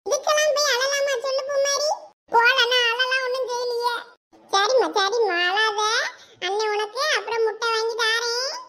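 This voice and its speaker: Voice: very high-pitched, steady tone, moderate pace, bright, forceful tone. A voice actor playing a teasing, gloating boy in a cartoon, with a Thoothukudi Tamil accent. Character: teasing boy, the favored son. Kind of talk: cartoon voice acting.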